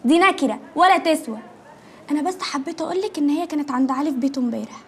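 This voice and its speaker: Schoolgirl with a high voice who spills gossip at a breakneck pace. Faint music sits under this TV drama. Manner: quick, gossiping.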